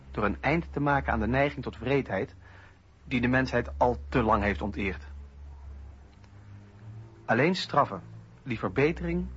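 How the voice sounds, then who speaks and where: A man playing a solemn, idealistic eighteenth-century revolutionary philosopher in a radio docudrama, speaking in measured, formal oratory. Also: medium pitch, fairly bright tone, husky, lo-fi sound. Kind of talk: radio docudrama, oratorical reading of historical texts.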